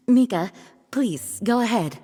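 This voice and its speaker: A woman's voice: medium pitch, lively intonation, very slow, dark tone. A woman voicing a composed knight leader who formally addresses a gathering. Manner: formal and commanding. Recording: game audio with reverb and music.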